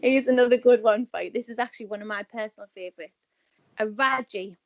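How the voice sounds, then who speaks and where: Podcast guest: woman, wry and easygoing, fairly high voice, dull video-call sound. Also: fast. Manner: wry, easygoing, laughs often. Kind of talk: casual interview chat over video call. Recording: muffled video-call audio.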